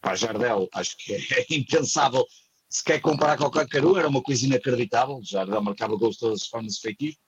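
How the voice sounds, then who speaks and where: A man's voice: medium pitch, lively intonation, fast talker, breathy edge. A man with a European Portuguese accent talking football in casual chat over a remote call, his voice coming through half robotic and metallic. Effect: half robot voice, metallic glitchy call audio. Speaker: football pundit on a live stream. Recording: muffled, dull remote call line.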